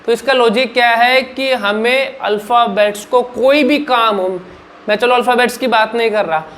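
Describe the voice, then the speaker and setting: A man's voice: high voice, a bit bright. A man explains speech exercises in an emphatic coaching tone. He keeps putting questions to himself, answers them, and checks back with the listener again and again. A faint hiss sits under his voice. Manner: repeats "ठीक है ना" as a check-in. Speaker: public speaking coach. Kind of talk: instructional vlog talk.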